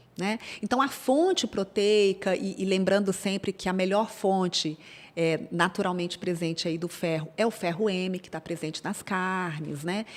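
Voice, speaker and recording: A woman with a Minas Gerais accent, medium in pitch, fairly slow, with ordinary pitch variation. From Minas Gerais, Brazil. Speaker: nutritionist and food engineer. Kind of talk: interview.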